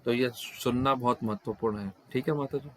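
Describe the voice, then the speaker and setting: Halting male interpreter at a scripture class. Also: mid-range voice, a little hiss or hum. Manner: halting, restarts phrases mid-word. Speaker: interpreter relaying questions and answers. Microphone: online video call.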